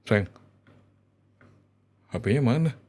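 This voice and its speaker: With a medium pitch and drawn-out words, a man plays a husband in ASMR roleplay, affectionately and excitedly talking to his wife. His delivery is full of expression and hesitation.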